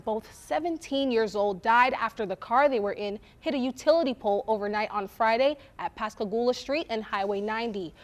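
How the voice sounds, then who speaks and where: A woman reading scripted local news as an anchor at a studio desk. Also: a little high.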